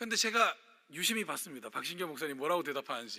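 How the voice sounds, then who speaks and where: With a bright, sharp tone and lively intonation, a man speaks at a fairly quick pace in a high pitch. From Daegu, South Korea. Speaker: pastor. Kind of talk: sermon. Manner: animated.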